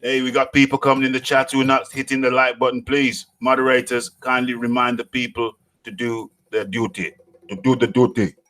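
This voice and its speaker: A man's voice: medium pitch, level tone, a little fast, a bit bright. A man hosting a live boxing talk stream, repeating phrases, joking and hyping his viewers. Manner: repeats phrases, hypes viewers, jokes around. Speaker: boxing talk show host.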